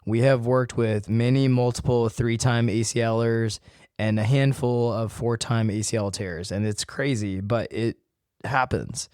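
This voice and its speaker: A man hosting his own podcast and talking casually to listeners, his voice a little hoarse from illness. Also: medium pitch, a little mellow, no room sound, studio quality. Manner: conversational, addresses listeners directly. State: voice worn from illness, slightly hoarse. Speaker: podcast host and physical therapist. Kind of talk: solo podcast talk.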